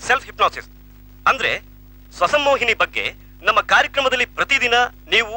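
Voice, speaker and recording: An actor playing a TV self-help presenter guiding viewers to relax. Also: male voice, very high voice, animated, brisk, bright, forceful tone, soft background music, heavily acted, rough recording. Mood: coaching.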